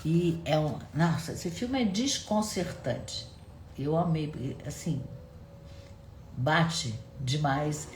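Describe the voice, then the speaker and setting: A woman talks to her live-stream viewers in a low voice, telling stories with animated energy. She keeps tagging her sentences with questions, and the room around her sounds echoey, with faint background noise. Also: takes it slowly. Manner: animated storytelling, frequent "né?" tag questions. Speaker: live-stream host discussing books and films. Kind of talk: casual live-stream talk. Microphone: camera at close range.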